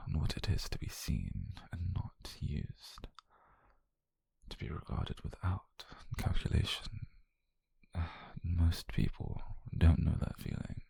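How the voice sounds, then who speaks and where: A British man playing an obsessive, possessive mafia boyfriend, calm and dangerous, in a slow, controlled, breathy half-whisper for an intimate ASMR roleplay. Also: extremely low pitch, no room sound, exaggerated voice. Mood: quiet menace. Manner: slow, controlled, menacingly tender murmur. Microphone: close microphone, dry.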